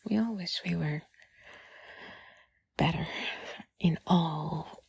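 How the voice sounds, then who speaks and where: A woman giving intimate whispered comfort talk, soothing and gently reassuring, in a breathy, husky whisper with drawn-out pauses. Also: sits low. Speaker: audio creator speaking to the listener.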